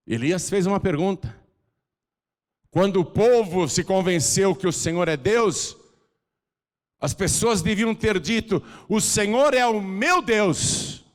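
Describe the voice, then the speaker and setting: Fervent Brazilian pastor in a reverberant hall. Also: male voice, high voice. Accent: Brazilian Portuguese. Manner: fervent, swings from soft pleading to loud calling. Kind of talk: preaching a sermon with an altar call. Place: large church hall.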